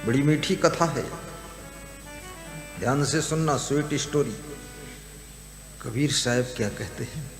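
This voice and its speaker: A man's voice: medium pitch, takes it slowly, long pauses. A man preaching a devotional sermon, telling a story with chuckles and chanted couplets. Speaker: spiritual preacher. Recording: roomy hall with music behind.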